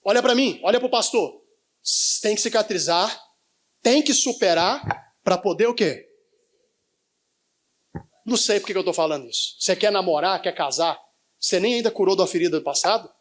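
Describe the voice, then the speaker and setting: High-voiced preacher calling out to church. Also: male voice, normal speed, pauses often. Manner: prompts the congregation to finish his sentences. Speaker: pastor. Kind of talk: live church sermon. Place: church in front of a congregation.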